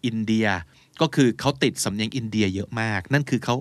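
A man's voice: on the low side, fast talker, no echo. A man, co-hosting a podcast and casually explaining English terms, dropping English words into his talk.

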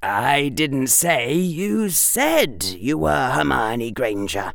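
A man voicing a clever, self-assured young boy wizard in a storybook reading, brisk and teasing. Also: mid-range voice, very animated, vocal fry, fairly bright tone, no room sound, studio quality, pitched above the performer's own voice, exaggerated voice. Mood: confident. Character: cocky clever boy wizard, first-year.

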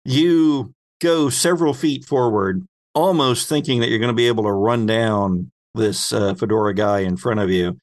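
Pausing at times to grope for words, a man narrates a made-up-on-the-spot story as host and game master. He talks conversationally in a mid-range voice.

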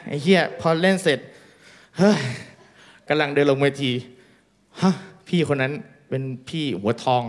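High-voiced man doing crude stand-up. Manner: crude, self-mocking, acts out dialogue. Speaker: stand-up comedian. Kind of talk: stand-up storytelling. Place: small live venue with audience.

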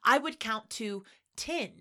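A woman from Texas co-hosting a casual film podcast, an animated and theatrical storyteller. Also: a little high, takes it slowly, a little hiss or hum. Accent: mostly neutral American with slight Texan traces. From Texas, USA. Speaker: podcast co-host. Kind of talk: casual chat about a film.

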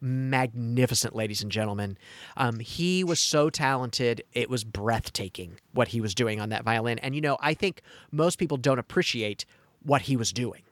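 A man's voice: medium pitch, normal speed, no room sound. A man co-hosting a podcast in casual chat, effusive and full of fillers, with dry sarcasm. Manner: effusive, hesitant with many fillers. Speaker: podcast co-host.

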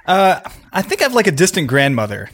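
A man's voice: on the high side, huge pitch swings, brisk, a bit bright. A man co-hosting a casual chat, talking hesitantly with stumbling restarts and giggles. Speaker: co-host.

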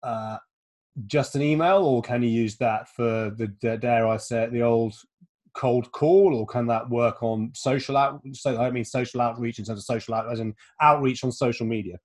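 A man hosting a podcast interview, talking in a relaxed, conversational way with frequent short affirmations and some hesitant fillers. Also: medium pitch, moderate pace. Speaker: podcast host.

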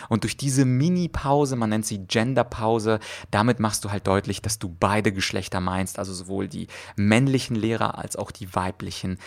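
A man hosts a podcast, talking through his topic in a calm, explanatory monologue. His voice sits low and sounds gravelly, and he pauses often with small hesitations. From Russia. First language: Russian. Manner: thoughtful, many hesitations with "äh". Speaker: podcast host.

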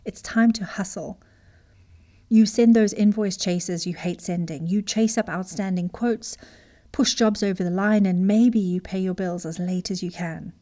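A woman's voice: medium pitch, warm tone. A woman from Zimbabwe, a business coach, giving an earnest motivational talk that speaks straight to the listener. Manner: earnest, emphatic, direct address.

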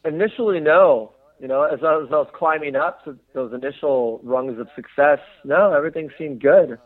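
A man from the United States, a former Olympic swimmer, answering interview questions in a reflective, halting way with many fillers. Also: fairly high pitch, no echo. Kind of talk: casual interview conversation. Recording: tinny phone-line sound, dry.

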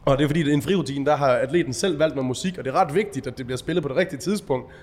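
A man telling stories in a casual podcast chat, animated and acting out shouted quotes. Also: mid-range voice, big-room sound. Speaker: event organizer.

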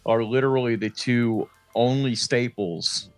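A man's voice: medium pitch, unhurried, soft background music. A man co-hosting a casual comedy podcast, talking in a rambling, loose way with some swearing. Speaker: podcast co-host.

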